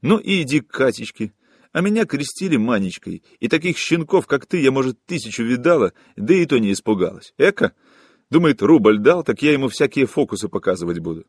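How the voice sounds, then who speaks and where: A man voicing a coarse, hostile young woman who mocks and scolds in shrill, harsh taunts. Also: sing-song, fairly quick, husky, dry recording, studio quality. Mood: scornful, angry.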